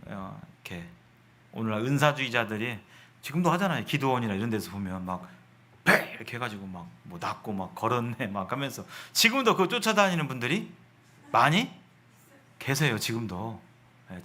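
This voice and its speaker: A man's voice: mid-range voice, sharp tone. A man preaching to a congregation in an explanatory way, often repeating phrases and putting rhetorical questions to his listeners. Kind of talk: sermon to a congregation.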